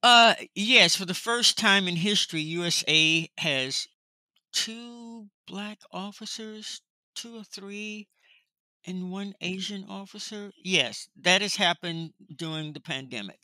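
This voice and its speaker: An older woman in her sixties recounts her career with lively, storytelling energy, often laughing and acting out what others said. Her voice is strikingly bright and forceful. The sound is dry, with no room echo. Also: mid-range voice, slow. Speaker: lighting designer and professor, guest. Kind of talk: interview, telling stories from her career.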